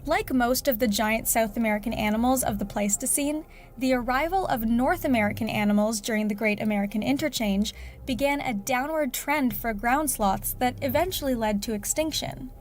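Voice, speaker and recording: High-voiced woman narrating a nature documentary. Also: normal speed. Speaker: host and narrator of an animal channel.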